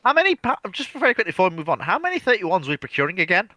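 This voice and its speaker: A man's voice: sits high, huge pitch swings, rapid-fire, bright, forceful tone, dry recording. A man chatting as a panel co-host in a live discussion, probing with questions and restarting his sentences.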